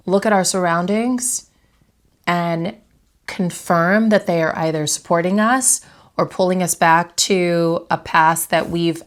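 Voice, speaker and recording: This young adult woman, an interior designer who vlogs, delivers a motivational talk to camera from her bedroom. Her voice sits on the low side and comes out a bit nasal from a head cold, while her calm, reflective coaching style poses direct questions to the viewer.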